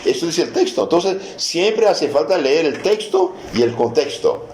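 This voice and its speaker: A man, a priest, giving a catechism lesson, asking rhetorical questions, answering them emphatically and reading scripture slowly and deliberately. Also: on the high side, very animated, darkish tone. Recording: echoey room with faint noise.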